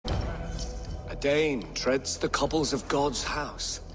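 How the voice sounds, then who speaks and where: An actor playing a haughty, sanctimonious Christian priest with a preachy, theatrical delivery in a video game, in a reverberant hall. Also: male voice, mid-range voice, extremely slow, faint music behind. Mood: pious disdain. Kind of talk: dramatic video game dialogue. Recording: long reverberant hall echo.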